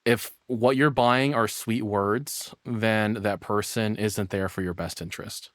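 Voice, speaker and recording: A man's voice: on the low side, fairly even intonation, a little slow, no echo, clean studio sound. A man streamer giving casual, musing reaction commentary with sighs and sweary asides. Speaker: streamer and host of reaction videos.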